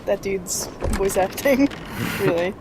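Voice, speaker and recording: A woman's voice: medium pitch, slow pace, noisy background. A woman co-commentating on a let's play in casual, jokey chat. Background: faint game music.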